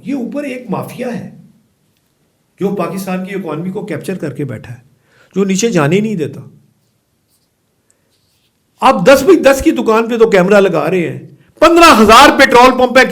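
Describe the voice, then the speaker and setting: Middle-aged male guest from Pakistan, fiery and emphatic, fairly high voice. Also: lively intonation. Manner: emphatic, rising to forceful outbursts then dropping low. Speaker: guest, former chamber of commerce president. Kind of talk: impassioned interview answers.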